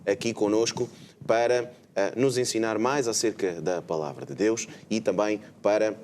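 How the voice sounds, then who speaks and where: A man's voice: fairly low pitch, moderate pace, a little mellow, a little hiss or hum. A man with a European Portuguese accent hosting a live religious TV program, talking with many hesitant filler sounds. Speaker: host.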